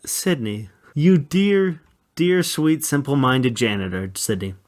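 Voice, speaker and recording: A man's voice: mid-range voice, lively intonation, slow. A man co-hosting a comedy radio skit, patiently reasoning with some exasperation.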